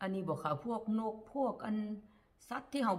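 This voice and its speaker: A somewhat breathy woman's voice over a quiet background. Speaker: vlogger. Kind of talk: casual vlog chat. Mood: cheerful, chatty. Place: kitchen. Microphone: phone near.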